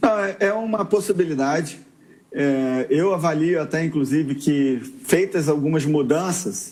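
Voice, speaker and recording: A man with a Rio de Janeiro accent, fairly high pitch and ordinary pitch variation, at a fairly slow pace. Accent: carioca. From Rio de Janeiro, Brazil. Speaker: federal deputy, politician. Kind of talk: TV political interview.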